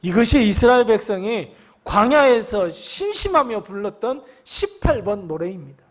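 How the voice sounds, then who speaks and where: A male pastor preaching in a high voice that swings widely up and down. His delivery is theatrical: he sinks to a hushed whisper, then climbs to an impassioned cry. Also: sing-song, normal speed. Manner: dramatic preaching that drops to whispers and rises to loud cries. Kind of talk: sermon.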